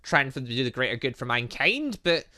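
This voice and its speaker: A man's voice: mid-range voice, big pitch swings, brisk, pushed and bright. A man playing through a story game, reading its dialogue aloud with casual asides and often stumbling and correcting himself. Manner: stumbles over words when reading, self-correcting. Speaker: gaming video host.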